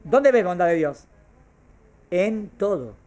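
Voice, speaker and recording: A man's voice: high voice, animated, takes it slowly, a little mellow. A man, teaching a class on Jewish thought, asking the class questions and answering them himself. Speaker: Torah teacher.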